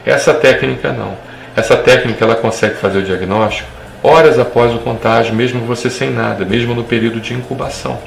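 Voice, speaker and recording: A man's voice: mid-range voice, fairly even intonation, fast, gravelly. A man, a doctor, giving an impassioned commentary to camera, emphatic and repetitive, piling up long lists of points. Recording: echoey room with faint noise.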